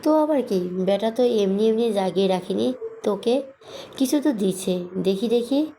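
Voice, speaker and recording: A playful elderly grandmother who keeps teasing and prodding with nosy questions, as a woman reading a storybook puts her on. The voice sits at a middle pitch with a faint hiss underneath. Unhurried, knowing, and amused. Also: lively intonation, mellow, lightly acted.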